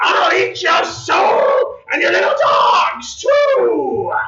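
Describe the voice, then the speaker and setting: Someone shouts in a shrill, extremely high put-on character voice at a very slow pace. A slight echo follows the voice. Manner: screeching, shrieking.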